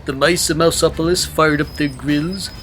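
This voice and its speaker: Higher-voiced man narrating over music. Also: fairly even intonation, normal speed, a bit bright. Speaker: storybook narrator. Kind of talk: scripted read-aloud narration.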